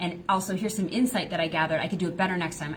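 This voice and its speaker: A woman's fairly low voice at a very fast pace, with noticeable background noise. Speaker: business coach. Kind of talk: live training. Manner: animated.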